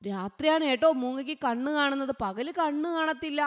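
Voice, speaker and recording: A woman tutor, teaching young children, asking questions and answering them herself, sometimes chanting lines slowly. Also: high-pitched, animated. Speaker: online tutor. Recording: dull sound with a long echo.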